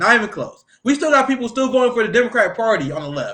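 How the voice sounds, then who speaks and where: An American accent colors this man's very fast, raised, projected voice. His pitch is extremely high, with very wide swings and a bright, sharp tone. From US Midwest. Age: 30s. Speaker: political streamer. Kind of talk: casual livestream chat.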